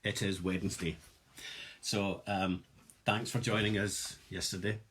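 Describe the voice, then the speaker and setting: A man's voice: low-pitched, little pitch movement, measured pace, fairly bright tone, breathy edge. A young Glaswegian man hosting a live-streamed jewellery workshop, demonstrating and joking with viewers in a chatty, self-mocking way. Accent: Glaswegian Scottish.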